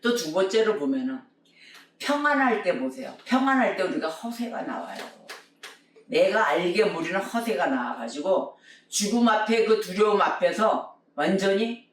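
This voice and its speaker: A man's voice: high voice, distant mic. A man preaching a sermon, telling a story emphatically and acting out the people in it. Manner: emphatic, acts out quoted speakers. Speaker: pastor. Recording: echoey room, voice from afar.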